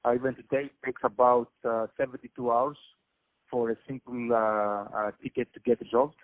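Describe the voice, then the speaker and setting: A man's voice: mid-range voice, level tone, moderate pace, no echo. A man from Greece with a Greek accent, answering interview questions hesitantly, with many fillers, heard over a phone line. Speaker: guest, tech company CEO.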